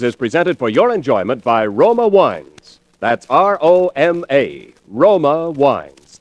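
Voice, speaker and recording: A man reading the sponsor's commercial on a 1940s radio broadcast in a smooth, persuasive delivery. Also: fairly high pitch, dry recording. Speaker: sponsor announcer. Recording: dry, dull old radio broadcast.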